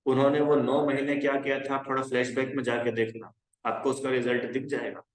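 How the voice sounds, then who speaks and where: Fairly quick and flat in delivery, a medium-pitched man addresses a youth religion class in an echoey room, and the audio is poor. His lesson is casual and conversational; he spurs the students on and frequently checks that they follow.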